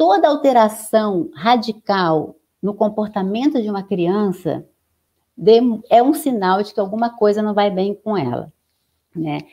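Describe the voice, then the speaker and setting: A woman's dark, mellow voice at a medium pitch, with lively intonation, a fairly slow pace and a quiet background. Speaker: educator. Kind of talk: panel discussion.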